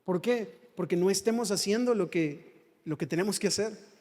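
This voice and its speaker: High-voiced Mexican preacher in reverb. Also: male voice, normal speed, darkish tone. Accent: Mexican Spanish. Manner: fervent, asks the congregation rhetorical questions. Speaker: pastor. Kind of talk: sermon. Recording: long hall reverb.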